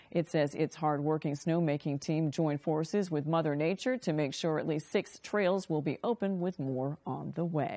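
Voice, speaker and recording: A woman's voice: low voice, mellow, no echo. A woman anchoring a local TV newscast, reading scripted news in a studio. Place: dry TV studio.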